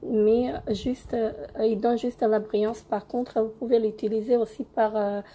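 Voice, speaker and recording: A young woman with a cold-roughened voice, hesitantly reviewing beauty products in a casual home vlog with many fillers. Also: on the high side, flat delivery, normal speed, warm tone, a little hiss or hum, poor audio. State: hoarse from a cold. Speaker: beauty vlogger.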